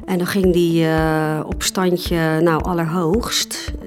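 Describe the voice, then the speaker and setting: A woman's voice: deep voice, flat delivery, slow pace, a little mellow. A woman recalling her youth in a hesitant, casual way, with many fillers. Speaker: interviewee. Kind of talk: casual recollection. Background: music.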